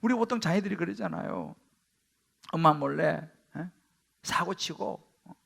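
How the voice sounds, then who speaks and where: High, gravelly-voiced man preaching dramatically. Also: measured pace. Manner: dramatic preaching with sharp swings between loud exclamations and hushed asides. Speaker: senior pastor. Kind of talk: Sunday sermon. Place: church sanctuary.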